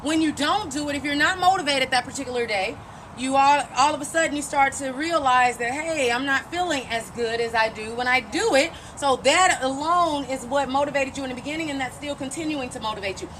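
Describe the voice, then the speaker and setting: A woman's voice: sits high, brisk, fairly bright tone, slight background noise, rough recording. A woman coach interviewing and giving an emphatic, encouraging pep talk, repeating phrases for emphasis.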